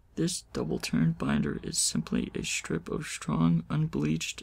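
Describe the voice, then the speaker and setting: A man is soft-spoken. The background is quiet. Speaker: ASMR reader. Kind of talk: ASMR soft spoken reading of an old medical book with sarcastic commentary. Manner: soft-spoken, sarcastic. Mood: dry sarcastic commentary.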